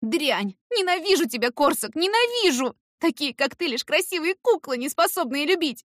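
A woman voicing a jealous, tearful young woman who lashes out at her old friend in a shrill, accusing way. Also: big pitch swings, moderate pace, a bit bright, no echo. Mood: hateful. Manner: shrill, accusing, close to sobbing.

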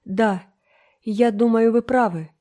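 A woman's voice: a little high, takes it slowly, dark tone, pitched above the performer's own voice. A woman voicing a dreamy, dramatic orphan girl in an audiobook, talking in a theatrical, emotional way. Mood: resigned. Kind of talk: audiobook character reading.

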